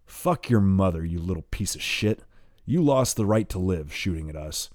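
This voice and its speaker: A man voicing a hot-tempered, foul-mouthed armed man who shouts threats. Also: low-pitched, expressive, moderate pace, dry recording, clean studio sound. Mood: menacing.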